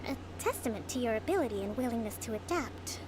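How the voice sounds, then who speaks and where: A woman playing a composed young female leader in a video game, speaking in a measured, formal, thoughtful way. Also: fairly high pitch, animated, background noise, natural voice.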